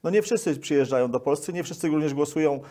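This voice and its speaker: Fast and warm-toned, with a fairly high pitch, this Polish official in his sixties responds to an interviewer's questions as a guest. He's long-winded, often repeating words mid-sentence, and is recorded with a lapel mic.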